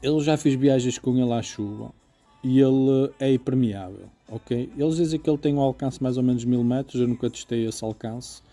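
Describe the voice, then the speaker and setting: Very dark-voiced Portuguese man, casual reviewer. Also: medium pitch, moderate pace, soft background music. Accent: European Portuguese. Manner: informal, explanatory, often checking with "ok?". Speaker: motorcycle gear reviewer. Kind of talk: casual product review, hands-on demonstration.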